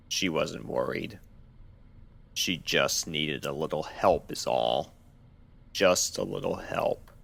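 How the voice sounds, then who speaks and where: A man narrating a scripted horror story in a measured, dramatic storytelling manner. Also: very deep voice, vocal fry, a bit bright. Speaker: narrator of fan fiction readings.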